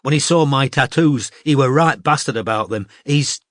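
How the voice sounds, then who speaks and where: A man voicing a troubled teenage girl with a northern English accent, talking in a halting, confessional way. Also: mid-range voice, a bit bright, no room sound, clean studio sound, voice pushed up, lightly acted. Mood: chatty. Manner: tearful, halting confessional talk.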